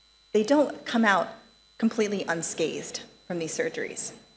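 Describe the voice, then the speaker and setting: Soft-spoken and somewhat breathy, a woman talks at a moderate pace amid audible room echo. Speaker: neurologist. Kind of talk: conference lecture. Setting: conference stage with audience.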